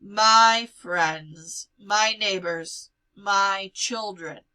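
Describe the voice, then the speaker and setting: A village rabbi in a storybook, voiced by a woman, addressing his people solemnly. The words come measured and weighty, in a bright, projected voice. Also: medium pitch, smooth, rough recording. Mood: solemn, resigned.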